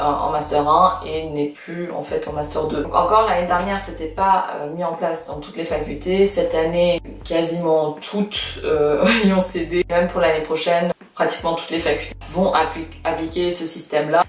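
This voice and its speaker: Woman in her 20s, chatty law student vlogger, hoarse from losing her voice, recorded off-mic. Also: deep voice, reverberant, distant mic. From Canada. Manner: chatty, many fillers and restarts. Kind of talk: casual vlog chat.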